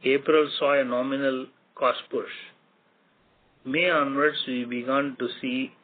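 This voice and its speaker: A man with an Indian accent formally reads out company results as an executive, in a measured, factual way, figure by figure. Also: medium pitch, little pitch movement. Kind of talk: formal scripted earnings presentation. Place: conference call over a phone line. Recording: tinny phone line with clear noise.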